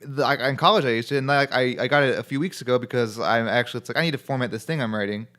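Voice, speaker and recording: A man's voice: mid-range voice, very fast, a bit bright. A young man co-hosting a podcast, chatting casually in a rambling, joking way with lots of fillers. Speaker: podcast co-host. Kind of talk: casual chat.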